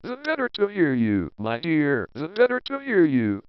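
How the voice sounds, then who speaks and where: A sly, wicked wolf out of a storybook, acted out by a man, coaxing and falsely courteous. The voice is smooth, in a dry, slightly muffled recording. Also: a little high, huge pitch swings, normal speed, no echo. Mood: coaxing, menacing. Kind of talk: storybook character voice.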